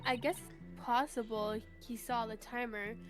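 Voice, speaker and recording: A woman's voice: a little high, fairly even intonation, unhurried. A woman co-hosting a let's play, bantering casually and reading game dialogue aloud. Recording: clear game music behind. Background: video game music.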